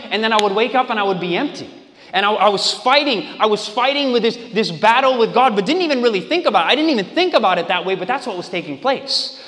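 A man with a notably high voice preaches a sermon, animated and repeatedly turning questions back to the people in front of him. His words ring out with a long reverberant tail in a large hall. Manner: animated, questions the audience directly. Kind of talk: sermon to a live audience.

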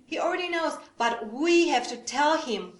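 Woman presenter, higher voice, asks the room questions, echoey hall. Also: lively intonation, moderate pace. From Romania. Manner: engaging, asks the audience questions. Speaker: prayer workshop presenter. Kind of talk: church workshop talk.

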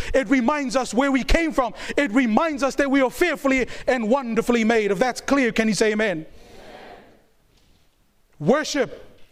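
A preacher from New Zealand with a strikingly high voice delivers a sermon. He stresses his points through repetition and keeps pulling the congregation in with questions for them to answer. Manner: call-and-response, asking the congregation to answer; emphatic, repeats key phrases.

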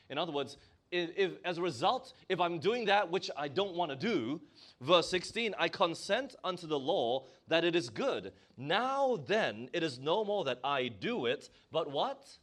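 A male preacher with a Malaysian accent gives a sermon, putting stress on key words and asking his congregation questions. His voice sits a little high and swings widely in pitch, with a fairly bright tone and a measured pace.

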